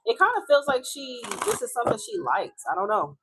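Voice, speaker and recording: A woman's voice: sits high, very animated, fairly quick, creaky, background noise. A woman from Haiti with a Haitian accent, reading tarot live in a casual, chatty way, swearing and laughing as she talks. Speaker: tarot reader.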